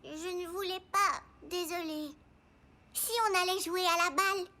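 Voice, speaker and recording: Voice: steady tone, a little slow, bright, forceful tone, full character voice. A performer voicing an eager, easily disappointed small boy in a French-dubbed preschool cartoon, with a childlike voice and simple, plaintive phrasing. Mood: eager, pleading. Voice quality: childlike, high.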